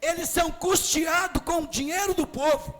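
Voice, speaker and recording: A Brazilian city councilman with a Minas Gerais accent giving a forceful, emphatic speech in the council chamber, often raising his voice. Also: extremely high pitch, fairly even intonation, normal speed. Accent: Brazilian Portuguese, Minas Gerais. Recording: reverberant chamber with faint music.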